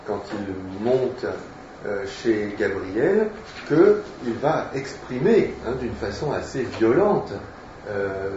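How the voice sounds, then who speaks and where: A male teacher giving a literature lecture, explaining at a slow, hesitant pace with frequent fillers. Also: medium pitch, a little mellow, slight background noise. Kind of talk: literature lecture, reading aloud. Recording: echoey room, distant mic, dull sound.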